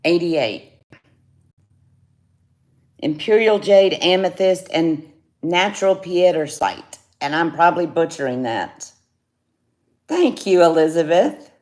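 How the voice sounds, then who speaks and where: A woman's voice: on the low side, expressive, slow, long pauses, a little mellow. A woman chatting casually on a jewelry livestream, greeting viewers by name. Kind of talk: casual live sales chat. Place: home studio, indoors.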